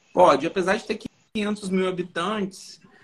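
This man talks with a high pitch. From interior of Rio de Janeiro state, Brazil. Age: 30s. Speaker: author and psychologist. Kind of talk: casual interview on a livestream.

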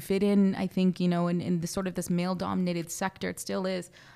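A woman's unremarkable speaking voice at a medium pitch, fairly quick in pace. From US, raised on military bases; Mexican American. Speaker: entrepreneur and human rights lawyer. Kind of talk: interview conversation. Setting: studio.

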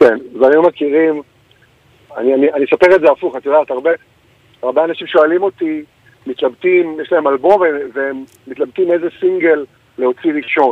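A man with a fairly high pitch speaks at a fairly quick pace, with ordinary pitch variation. He leaves long, frequent pauses. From northern Israel, Nazareth Illit. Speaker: singer-songwriter and musician. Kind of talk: casual radio interview. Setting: remote call from a car in traffic.

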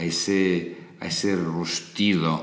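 This man's pitch is very deep and low. Room echo is audible, and the background noise is noticeable. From Catalonia, Barcelona. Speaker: chef. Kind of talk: interview. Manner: halting.

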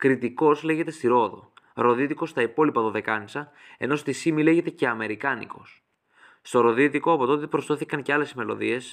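Against a quiet background, a man with a plain, everyday voice talks at a fairly quick pace with ordinary pitch variation. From Greece, Rhodes. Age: 20s. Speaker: traditional musician and folk music researcher. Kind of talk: interview answers. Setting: remote recording.

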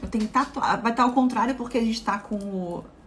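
A woman talks in an animated tone as noticeable background noise carries on behind her. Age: 30s. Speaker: weight-loss coach. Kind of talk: live class to students.

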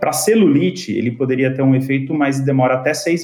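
A man of medium pitch at a fairly quick pace, with noticeable background noise. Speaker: dermatologist. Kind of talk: expert interview.

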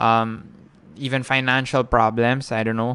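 A man talks in a bright, sharp tone with a monotone, flat intonation. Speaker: podcast host. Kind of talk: solo podcast monologue. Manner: casual, code-switching with Tagalog.

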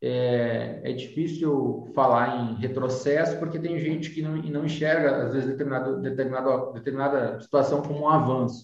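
A man's somewhat breathy voice proceeds at a moderate pace. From Porto Alegre, southern Brazil. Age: young. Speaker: public prosecutor. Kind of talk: interview.

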